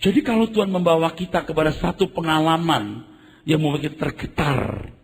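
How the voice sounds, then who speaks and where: A man's voice: fairly high pitch, a little fast, big-room sound, a little hiss or hum. A man preaching a sermon, telling vivid stories and acting out screams and sounds, often addressing the congregation directly. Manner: animated storytelling, acts out screams and sounds. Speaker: pastor.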